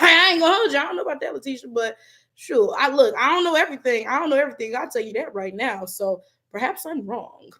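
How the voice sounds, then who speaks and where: A woman's voice: high voice, pushed and bright. A woman with a Detroit accent chatting casually on a livestream, reading viewer comments aloud, loose and slangy, laughing often. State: voice cracking. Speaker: YouTuber reading live chat comments.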